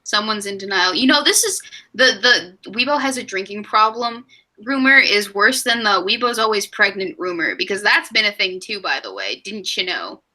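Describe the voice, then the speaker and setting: A woman's voice: mid-range voice, expressive, normal speed, sharp tone. A woman in her twenties hosting a casual live stream, rambling and laughing at herself. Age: 20s. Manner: giggly, rambling, self-mocking. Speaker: stream host.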